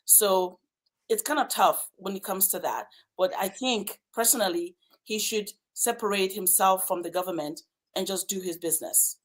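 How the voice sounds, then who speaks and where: A woman speaking in a measured, reasoning way as a panelist in a casual discussion. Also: mid-range voice.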